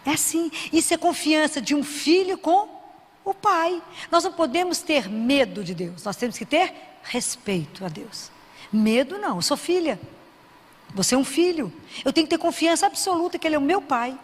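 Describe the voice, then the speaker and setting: High-voiced woman preaching in a hall. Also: animated, moderate pace. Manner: asks the audience questions, acts out prayers in a softer voice. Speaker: Christian speaker. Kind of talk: sermon.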